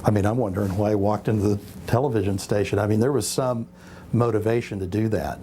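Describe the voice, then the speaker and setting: Low-voiced man, a doctor, noisy background. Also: steady tone, fast talker, dark tone. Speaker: neurologist. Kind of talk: unscripted remarks in exam and news interview.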